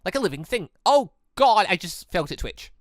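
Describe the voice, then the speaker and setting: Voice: mid-range voice, very animated, normal speed, no room sound, clean studio sound, natural voice. A gaming host reading the part of a naive, curious, apologetic visual novel protagonist in an earnest, hesitant manner. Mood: curious, amazed.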